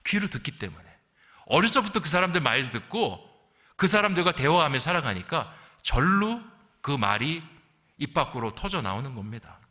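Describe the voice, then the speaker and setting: A man's voice: fairly high pitch, sing-song, moderate pace, bright, forceful tone. A middle-aged man from the Gyeongsang region of South Korea preaching a sermon as a pastor, in a conversational storytelling way with rhetorical questions. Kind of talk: sermon with anecdotes and acted-out quotes. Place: large reverberant church hall. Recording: long hall reverb.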